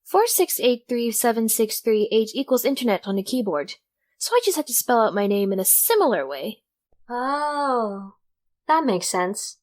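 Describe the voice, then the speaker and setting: A woman's voice: fairly high pitch, very animated, normal speed, a little mellow. A woman playing an earnest, inventive young tinkerer in an audio drama, explaining things conversationally. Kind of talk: amateur audio drama acting.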